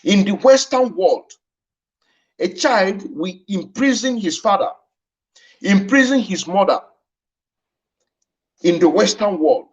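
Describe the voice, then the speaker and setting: A man's voice: sits high, animated, takes it slowly, pauses often. A man with a Nigerian Igbo accent giving an impassioned lecture, repeating his phrases for emphasis. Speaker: speaker at a livestreamed address. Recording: dull lo-fi stream audio.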